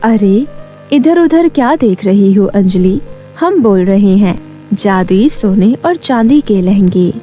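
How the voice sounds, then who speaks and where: A woman's voice: mid-range voice, lively intonation, takes it slowly, mellow, soft background music, voice pushed down. A woman voicing a helpful, reassuring enchanted talking garment in a fairy tale. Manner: reassuring, explanatory. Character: helpful talking magic skirts of gold and silver.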